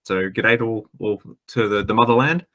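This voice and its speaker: A man's voice: on the low side, moderate pace, bright, forceful tone. A man with an Australian accent, chatting casually on a panel, friendly and hesitant with many fillers. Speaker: guest panelist. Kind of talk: casual chat.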